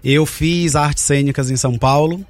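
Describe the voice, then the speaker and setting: Male actor, heartfelt guest, slightly high, light music bed. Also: fairly even intonation, normal speed, dry recording. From Bahia, Brazil. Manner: earnest, heartfelt. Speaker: stage actor. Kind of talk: interview guest.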